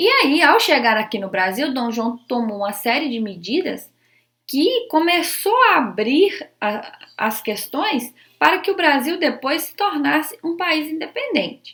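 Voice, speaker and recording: The pitch swings very widely as the words come at a fairly slow pace. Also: woman, high pitch for a woman. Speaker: history teacher. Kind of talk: lecture.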